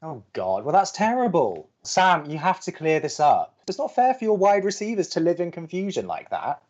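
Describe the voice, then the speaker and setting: A man's voice: a little high, huge pitch swings, normal speed. A young college radio advice host in an audio drama. He is earnest and easily exasperated, with emphatic, very varied intonation. The audio is a little muffled. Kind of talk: bantering audio drama dialogue.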